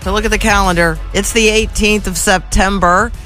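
Gravelly-voiced woman radio host. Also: medium pitch, fairly even intonation, moderate pace, fairly bright tone, soft background music, poor audio. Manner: chatty and effusive, with fillers and restarts. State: slightly gravelly from allergies. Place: radio studio. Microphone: studio microphone.

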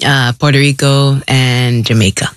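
A woman who was born in the Philippines and raised in Orlando, chatting as a guest on a talk show. She speaks in a casual, friendly way and is quick to agree. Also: extremely low pitch, steady tone, clear, resonant tone, no echo, clean studio sound. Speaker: guest, mother. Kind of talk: casual conversation.

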